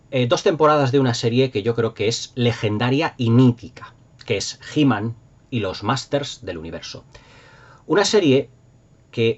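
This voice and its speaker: A middle-aged man with an accent from Spain, chatting casually and nostalgically to viewers in an enthusiastic, rambling, emphatic way. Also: mid-range voice. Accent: Spanish from Spain. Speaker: YouTube host. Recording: dull lo-fi sound.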